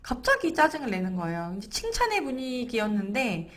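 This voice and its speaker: A woman in her thirties, a parenting coach, explaining calmly and gently to camera and sometimes acting out what was said. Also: on the high side, a little fast. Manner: gentle, explanatory, acts out quoted lines. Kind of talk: to-camera parenting lesson with personal anecdote.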